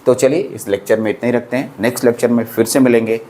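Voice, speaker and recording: A man's voice: mid-range voice, fairly even intonation, quick pace, mellow. A man lecturing polytechnic students on microcontrollers in a chatty, reassuring way, repeating phrases and often saying "theek hai". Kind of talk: classroom lecture in casual Hindi with English terms.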